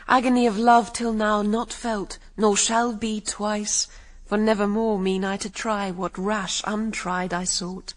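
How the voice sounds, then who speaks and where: An actress playing Eve, a blithe, seductive first woman, in hushed classical radio verse drama. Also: medium pitch, level tone, far from the mic, natural voice. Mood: loving, yearning. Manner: hushed, breathy, slow persuasive verse delivery.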